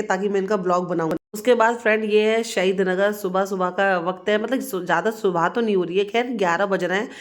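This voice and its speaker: A young woman vlogging her day to a handheld phone camera, chatting with viewers she keeps calling "friend". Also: mid-range voice. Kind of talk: casual daily vlog chat. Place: out and about, later at home kitchen.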